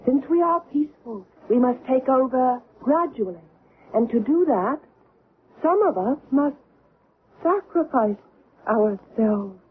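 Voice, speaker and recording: A woman's voice: high-pitched, animated, measured pace, breathy edge, heavily acted. A woman acting in a 1970s radio drama as a solemn alien woman who recounts her people's ancient history. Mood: solemn, proud. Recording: tinny, noisy old radio drama recording.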